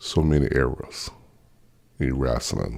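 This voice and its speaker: A man with a South Carolina accent talks at a very slow pace. His very deep, low voice stays monotone and flat. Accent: Southern US (South Carolina). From US South, South Carolina. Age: 40s. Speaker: YouTuber. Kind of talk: casual vlog monologue. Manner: halting, many fillers.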